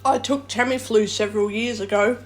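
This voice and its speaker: A woman with a slightly high voice talks casually with her mouth full of snacks, giving blunt opinions between bites. There is light background noise, with clicks and crinkling packaging. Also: steady tone, brisk. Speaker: vlogger. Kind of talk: casual solo chat while eating.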